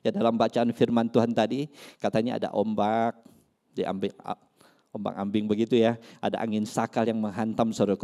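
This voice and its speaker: A pastor preaching a sermon in church, swinging between loud emphasis and soft asides. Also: male voice, medium pitch.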